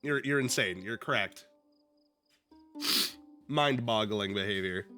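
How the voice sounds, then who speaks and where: At home with his dog, a sniffly young man who's still a little under the weather reads a book on stream and chats casually. His voice sits on the low side with a sharp tone and a slow pace. He keeps it loose and jokey, swears freely, leans on fillers, and soft background music plays.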